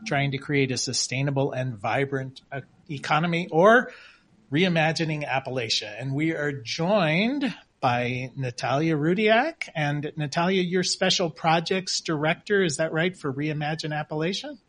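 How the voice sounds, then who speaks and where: Husky-voiced man hosting a talk show. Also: on the high side, expressive, moderate pace, fairly bright tone. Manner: joking, easygoing questions. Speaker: podcast host. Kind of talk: casual interview chat.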